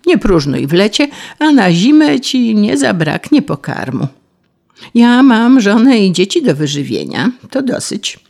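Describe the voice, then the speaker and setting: A woman's voice: mid-range voice, gravelly, a little mellow, pitched above the performer's own voice, exaggerated voice. A woman voicing a fat, stingy old male mole who lectures smugly. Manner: smug and lecturing.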